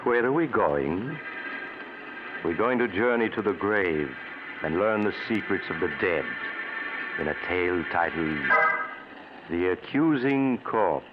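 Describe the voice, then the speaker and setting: An actor playing a sinister male storytelling traveler who hosts a 1940s radio drama with ominous, teasing, deliberate narration. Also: low-pitched, animated, loud music behind the voice. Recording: noisy, dull old radio broadcast.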